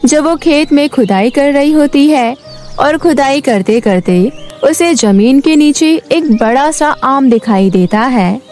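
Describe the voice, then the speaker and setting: A woman narrating a scripted animated moral story as its storyteller. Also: sits high, slow, faint music behind.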